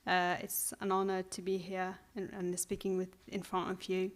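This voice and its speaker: A woman's voice: on the low side, monotone, moderate pace. A young woman from Afghanistan giving a hesitant speech to an audience, with many fillers and restarts. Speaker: invited speaker.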